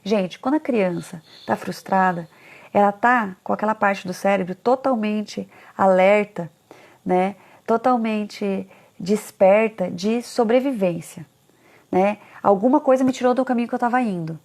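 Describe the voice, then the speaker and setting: A woman talking casually to parents about children, animated, often acting out parents' complaints in a higher voice. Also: a little slow. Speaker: parenting educator.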